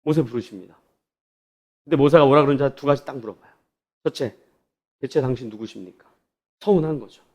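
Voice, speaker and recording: A man's voice: on the high side, fast talker, pauses often, a little mellow. A male pastor giving an earnest sermon, often addressing the congregation directly.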